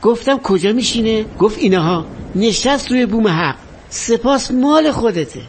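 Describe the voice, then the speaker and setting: A man's voice: high-pitched, animated, a little hiss or hum. An actor playing a vain, half-mad former star who talks grandly and bitterly about his fame. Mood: boastful reminiscing. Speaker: actor in a stage or film drama. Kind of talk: dramatic monologue acting.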